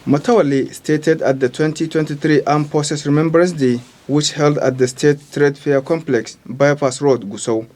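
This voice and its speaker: Male field reporter, Nigerian accent, fairly high voice, formal scripted news report. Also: fairly even intonation, normal speed, few pauses, a little mellow.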